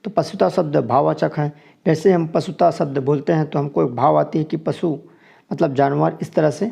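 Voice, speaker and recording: A gravelly, dark-voiced man from Chhattisgarh, India, his pitch slightly high, keeps a steady tone and moderate pace while reviewing a grammar exam's multiple-choice questions. Each answer gets a step-by-step explanation and is repeated, in this walkthrough-style lesson.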